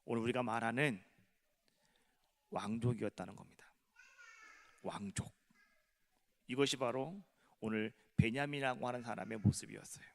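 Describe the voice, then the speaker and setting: A male pastor preaching a sermon, retelling a story slowly and softly, then building to loud, fervent appeals. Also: medium pitch, gravelly. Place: church sanctuary. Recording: echoey church hall.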